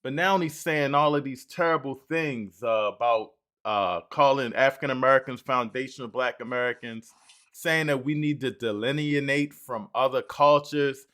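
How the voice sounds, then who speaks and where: A man's voice: mid-range voice, normal speed, a bit bright. An older man hosting a podcast, talking loosely with many fillers and restarts. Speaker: podcast host. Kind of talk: casual interview talk.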